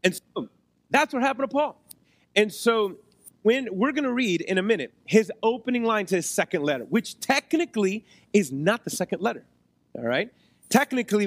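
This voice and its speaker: Male preacher, high-set hoarse voice, conversational sermon delivery with rhetorical check-ins, dry close-mic sound. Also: dry recording. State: hoarse, losing his voice, occasional cough. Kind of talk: sermon to a congregation. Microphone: close microphone on a PA.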